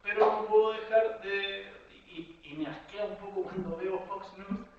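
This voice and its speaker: A man's voice: sits high, fairly even intonation, unhurried. A man from Chile with a Chilean accent, asking an earnest, hesitant question in a webinar over a video call. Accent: Chilean Spanish. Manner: earnest, hesitant, repeats words. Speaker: audience questioner. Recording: distant, echoey, dull, faint hiss.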